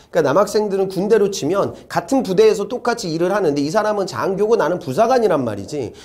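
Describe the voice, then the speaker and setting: With lively intonation, a man speaks in a high voice at a very fast pace. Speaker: job exam prep instructor. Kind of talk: online lecture. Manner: casual, conversational.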